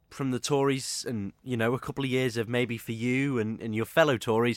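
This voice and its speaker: A man's medium-pitched voice at a moderate pace, with ordinary pitch variation, in a dry, close sound with no echo and a very clean recording with a silent background. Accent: Manx. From Isle of Man. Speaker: podcast co-host. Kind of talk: casual political chat. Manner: halting, many repeats and fillers.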